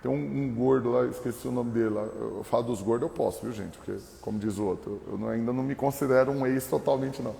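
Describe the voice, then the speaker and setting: A man from Brazil, a pastor, preaching a lively, humorous sermon full of acted-out voices. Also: mid-range voice, fast talker, gravelly, few pauses, a little hiss or hum. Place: church hall. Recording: echoey hall reverb.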